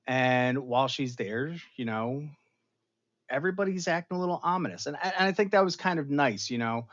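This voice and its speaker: A man hosting an online show, casually recapping a television episode for his live chat in an animated, storytelling manner with sudden dramatic outbursts. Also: mid-range voice, muffled recording. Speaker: show host reviewing an episode.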